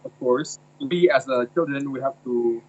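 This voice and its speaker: A man's voice: medium pitch, moderate pace. A young man from Indonesia, a university student, talking hesitantly and searching for words in a casual discussion. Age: young adult. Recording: dull lo-fi sound.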